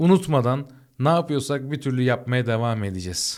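A man at medium pitch with ordinary pitch variation and a moderate pace, in a very clean recording with a silent background. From Turkey. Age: 30s. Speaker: podcaster, content creator. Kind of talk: personal monologue. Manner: reflective, subdued.

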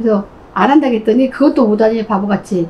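The speaker is a woman. She uses ordinary pitch variation. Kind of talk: casual storytelling interview answer. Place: home room.

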